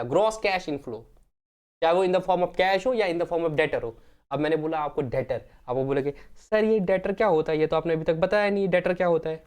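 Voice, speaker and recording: A man teaches an accounting lesson from the board. He drills key terms through repetition and answers his own questions, speaking to his students as friends. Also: a little high. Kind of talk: classroom lecture, Hindi mixed with English terms.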